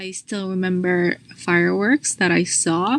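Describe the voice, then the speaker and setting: A woman speaks with a Korean accent. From South Korea. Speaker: English exam student. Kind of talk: exam speaking practice.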